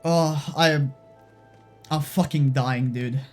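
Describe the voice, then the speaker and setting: A man's voice: a little high, fairly even intonation, takes it slowly, a little mellow, faint music behind. A man streaming a game live, shaken and stressed, swearing and repeating himself.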